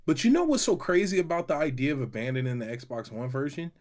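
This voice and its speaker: A man chatting casually as a panelist on a gaming podcast, excitable and slangy, often wandering off on tangents. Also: on the high side, quick pace. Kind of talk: casual animated group chat.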